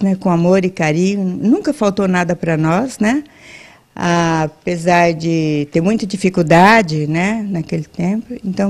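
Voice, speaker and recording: A woman's voice: on the low side, a little mellow. A seventy-year-old Brazilian woman giving a casual interview at home into a handheld microphone. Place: at home, seated at a table.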